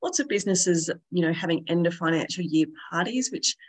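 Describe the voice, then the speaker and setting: A woman podcast co-host speaks in a fairly low voice with a slight croak, as if getting over an illness. Her delivery is relaxed and conversational. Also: fairly quick. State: voice croaky from being unwell.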